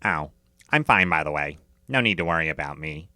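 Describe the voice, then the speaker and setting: A man's voice: very deep voice, expressive, fairly quick, bright, forceful tone, no room sound, clean studio sound, full character voice. A man voicing a tiny, put-upon cartoon scientist sidekick who talks with grumbling sarcasm. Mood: sarcastic.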